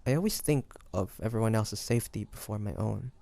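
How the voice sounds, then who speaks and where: Hesitant, gravelly-edged earnest hunter played by a man. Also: fairly low pitch. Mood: reflective, remorseful. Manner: hesitant, halting, soft-hearted delivery with pauses. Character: earnest young male demon hunter, guilt-ridden, gentle, hesitant. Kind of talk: dramatic audio roleplay acting addressed to the listener.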